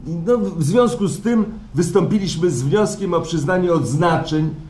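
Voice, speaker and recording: An actor playing a pompous, evasive company director who hems through officious speeches in a live radio play. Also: male voice, high voice, normal speed, darkish tone, reverberant. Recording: live stage recording with background noise.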